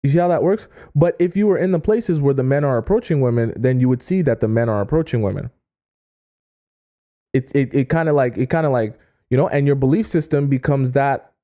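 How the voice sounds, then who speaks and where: A dating coach offers advice on a livestream, using deliberate pauses to stress key points and reading viewer chat aloud. He has a medium-pitched voice with a dark tone.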